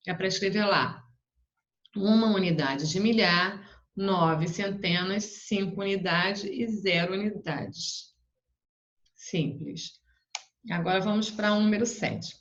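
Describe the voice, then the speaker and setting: A woman's voice: lowish voice, muffled recording. A woman teacher with a Brazilian Portuguese accent, patiently walking young pupils through homework step by step. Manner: patient, explains step by step with frequent "né" and "ó".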